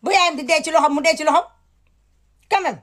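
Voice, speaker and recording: A woman's voice: high voice, brisk, fairly bright tone. A woman giving impassioned commentary, indignant and emphatic, repeating her words.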